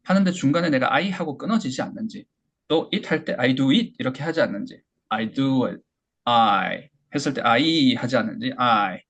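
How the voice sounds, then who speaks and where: A man teaching English pronunciation in a lecture, explaining step by step and modeling phrases slowly for learners to repeat. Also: mid-range voice, a bit bright, husky. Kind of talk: online lecture.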